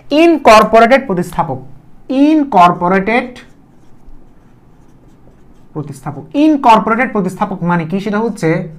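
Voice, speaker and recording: A chemistry teacher, a man with a high voice and a Bangladeshi Bengali accent, delivers a video lecture. He repeats key terms and quizzes the viewer with questions.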